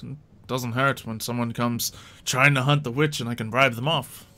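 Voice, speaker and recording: A man's voice: medium pitch, fairly even intonation, moderate pace, pushed and bright. A man voicing a blunt, reclusive woman witch in a tabletop game, terse and dismissive. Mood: offhand.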